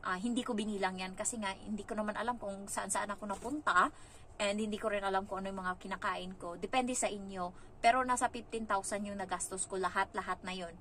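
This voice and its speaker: A young woman from the Philippines telling her story casually as a vlogger, chatty and animated, acting out other people's lines in passing. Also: mid-range voice, brisk, a little hiss or hum.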